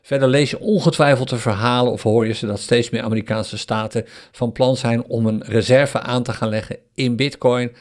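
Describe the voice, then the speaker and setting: A man's voice: medium pitch, fairly even intonation, normal speed. Chatty man hosting a podcast. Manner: chatty, hesitant with frequent fillers. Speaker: podcast host. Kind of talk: casual solo crypto podcast commentary.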